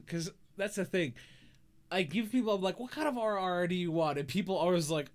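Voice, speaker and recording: Young male host, casual and playful stream chatter. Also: brisk. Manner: chatty, playful, with bursts of put-on high voices. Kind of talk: casual chat.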